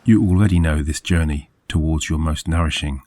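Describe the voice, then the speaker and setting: A man narrating a scripted guided sleep meditation as a hypnosis guide, soothing and measured, with deliberate phrasing. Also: a bass voice, fairly even intonation, mellow.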